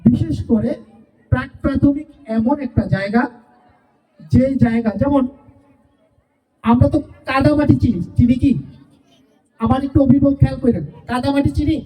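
At a school event, a teacher addresses parents in a farewell speech, her high, dark-toned voice moving at a normal speed with frequent pauses. She keeps asking the audience rhetorical questions and returns to the same phrases. The recording catches her from a distance.

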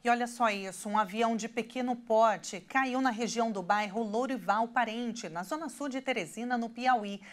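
A woman's voice: fairly high pitch, normal speed, hardly any pauses. A Brazilian woman in her thirties presenting scripted TV news as an anchor in a studio.

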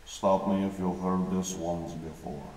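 An actor playing a stiff ensign who narrates a comic radio drama in deadpan, oddly worded sentences. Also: male voice, deep voice, measured pace. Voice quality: stilted, deadpan, odd grammar. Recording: very echoey, distant mic.

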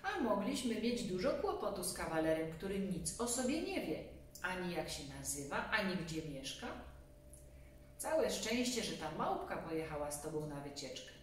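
A woman's voice: lowish voice, very animated, moderate pace. Woman as a patient kindly policeman, echoey room. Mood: relieved, kindly. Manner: kindly questioning of a small child. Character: friendly, patient adult male policeman. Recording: echoey room, distant mic, faint hum.

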